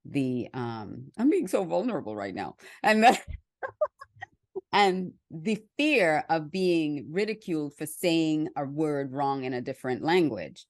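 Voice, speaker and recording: A woman from Trinidad with a notably low voice hosts a podcast, talking candidly and pronouncing each word clearly. Her voice sounds dry and close. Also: dry recording. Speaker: podcast host. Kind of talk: conversational podcast interview.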